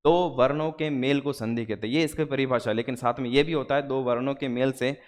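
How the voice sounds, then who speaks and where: A man teaching an exam-prep grammar lesson, explaining step by step and slowing down to spell out the parts of each word. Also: mid-range voice, steady tone, long reverb tail.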